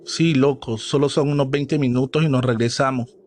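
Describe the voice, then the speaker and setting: A man's voice: medium pitch, fairly even intonation, moderate pace, darkish tone, slight background noise, close to an everyday voice. A man voicing a cocky, daring young male cousin who teases and pushes the others. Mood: taunting. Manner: teasing, pushy.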